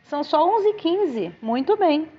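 A woman's voice: high voice, very animated, measured pace, muffled recording, pitched above the performer's own voice. A woman voicing a charming male maths teacher in his twenties for an audiobook, with a playful manner. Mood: teasing.

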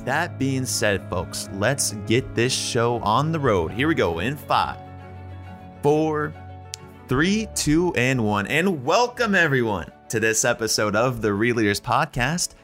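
A man hosting a podcast interview, introducing his guest with an energetic countdown and asking questions. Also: mid-range voice, slow, faint music behind. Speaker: podcast host.

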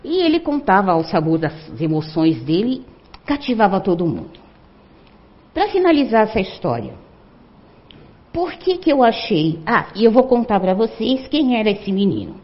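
A woman's voice: medium pitch, moderate pace. Older woman telling a story. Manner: animated, conversational, frequent "né". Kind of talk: oral storytelling to an audience. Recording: muffled lo-fi recording.

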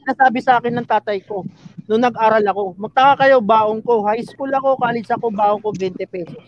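A man's voice: high-pitched, brisk, muffled recording. A man in a casual talk show, speaking earnestly and calling the others "sir". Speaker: show regular. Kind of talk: casual chat.

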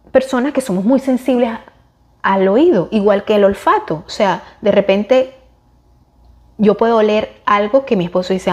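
A woman's voice: medium pitch, a little mellow. A woman hosting a podcast and YouTube channel, speaking in an earnest, long-winded, explanatory way in a reflective personal monologue. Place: lives in the United States.

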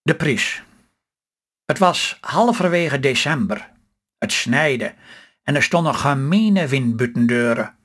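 A man reading aloud his own humorous story in Stellingwerf dialect, with a steady homely storytelling manner. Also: mid-range voice, slow pace, pauses often. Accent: Stellingwerf Low Saxon dialect.

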